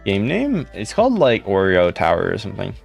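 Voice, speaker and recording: Young male streamer, deep gravelly voice, laid-back rambling chat, faint music behind. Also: wildly swooping pitch, a little fast. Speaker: live streamer. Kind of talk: casual live stream chat, reading comments.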